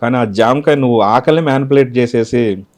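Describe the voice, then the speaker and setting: Man guest, mid-pitched, calm and reflective, unhurried answers. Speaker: mimicry artist, interview guest. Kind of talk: interview answers.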